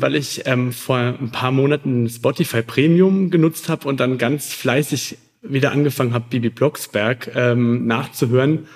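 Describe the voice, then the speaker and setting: A man's voice: medium pitch, darkish tone. A man in his mid-thirties from Germany, talking casually as a podcast guest and telling about himself. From Wiesbaden, Germany. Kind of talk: casual self-introduction and storytelling.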